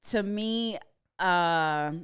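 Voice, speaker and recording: A woman's voice: fairly low pitch, drawn-out words, clean tone. A woman co-hosting a casual podcast, easygoing and playful, laughing often. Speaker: podcast co-host.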